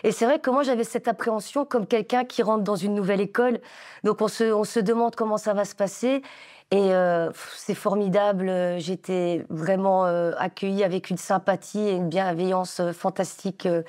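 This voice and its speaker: Brief: woman, 40s, dance teacher being interviewed, eager but halting delivery, middle pitch. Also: steady tone, darkish tone. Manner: hesitant, many fillers, enthusiastic. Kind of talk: interview answers.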